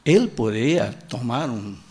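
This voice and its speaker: A male preacher, a native Portuguese speaker, delivering a sermon in halting Spanish with Portuguese words mixed in, repeating his key line with emphasis and acting out the quoted voices. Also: mid-range voice, very animated, darkish tone, breathy edge.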